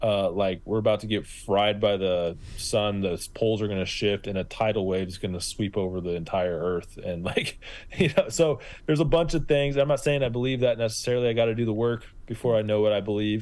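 Speaking in a plain, everyday voice with an American accent, a man talks at a fairly quick pace and fairly low pitch, with ordinary pitch variation. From Kansas, US Midwest. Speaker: author and history researcher. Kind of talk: casual interview chat.

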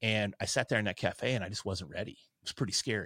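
A very fast delivery with ordinary pitch variation, in a very clean, dry, close recording with a silent background and no echo. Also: man. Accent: Texan. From North Texas. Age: 50s. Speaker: podcasting mentor. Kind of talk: interview.

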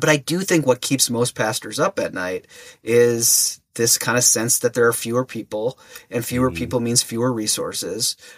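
A man speaks with a Minnesota accent at a medium pitch. His pace is moderate and his pitch variation ordinary. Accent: Minnesotan American. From US Upper Midwest, Twin Cities suburb, Minnesota. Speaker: seminary professor. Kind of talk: interview conversation.

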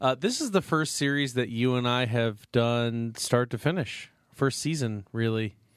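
Speaking at a fairly slow pace, a man uses a normal speaking voice with medium pitch and ordinary pitch variation. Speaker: podcast co-host. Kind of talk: casual banter, podcast recap. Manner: joking, playful.

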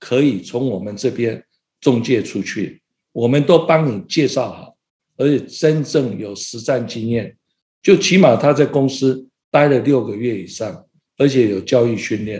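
A man speaks at a fairly slow pace in a plain, everyday voice. His pitch varies an ordinary amount, while his loudness swings widely. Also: medium pitch for a man. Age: 60s. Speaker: business executive. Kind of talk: interview. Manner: frequent filler sounds.

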